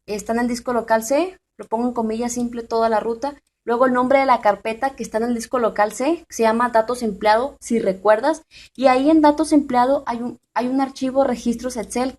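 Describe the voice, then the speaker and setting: A woman's voice: fairly high pitch, a little mellow. A woman hosting a programming tutorial, thinking aloud with fillers and asking the viewer questions. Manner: informal, thinks aloud with many fillers and restarts; addresses the viewer directly with questions. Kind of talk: screen-recorded software tutorial.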